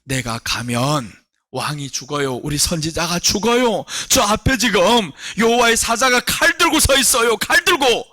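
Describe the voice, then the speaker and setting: A male pastor voicing a frightened talking donkey that protects its master, in a high, urgent, pleading voice. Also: animated, moderate pace, few pauses, sharp tone, heavily acted.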